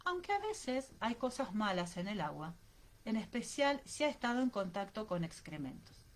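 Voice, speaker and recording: A woman reading an audiobook, voicing a calm, gently amused woman doctor patiently explaining things to a girl. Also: medium pitch, normal speed, close to an everyday voice. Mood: reassuring.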